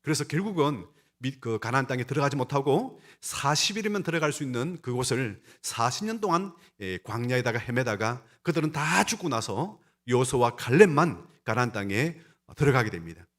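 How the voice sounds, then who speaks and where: A male pastor preaches with a mid-pitched voice. His delivery is emphatic and swells and drops as he speaks directly to his congregation. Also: very animated, a little fast, hardly any pauses, fairly bright tone. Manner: emphatic, rising and falling delivery. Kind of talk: sermon.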